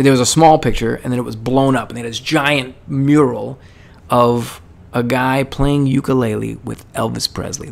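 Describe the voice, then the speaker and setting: Gravelly man telling army stories. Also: mid-range voice. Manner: rambling, many fillers and restarts. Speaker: podcast host; army veteran. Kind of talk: casual storytelling monologue.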